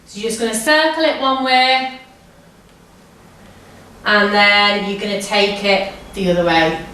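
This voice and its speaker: A woman drama teacher guiding a physical warm-up step by step, with simple, repeated, encouraging instructions. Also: mid-range voice, a little slow, a little hiss or hum. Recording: echoey room, distant microphone.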